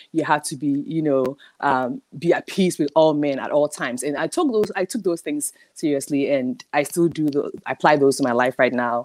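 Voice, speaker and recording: With a Ghanaian accent and a bubbly, animated tone, a woman speaks at a very deep, low pitch and a moderate pace, with ordinary pitch variation, hardly any pauses, and a dry, close sound without echo. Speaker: storyteller guest. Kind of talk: casual storytelling chat. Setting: live online stream. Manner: bubbly and animated.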